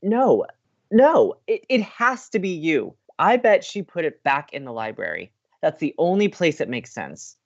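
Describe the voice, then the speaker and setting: Earnest, idealistic young radio co-host. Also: male voice, on the high side, very animated, measured pace, vocal fry, highs cut off, full character voice. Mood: pleading, hopeful. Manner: sincere, determined, dreamy. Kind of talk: naturalistic audio drama acting.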